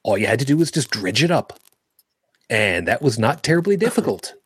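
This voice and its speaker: Sarcastic man in his forties, husky. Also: mid-range voice, sing-song, brisk, no room sound, clean studio sound. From New York. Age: 40s. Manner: sarcastic, joking. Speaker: podcast co-host. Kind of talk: casual political banter.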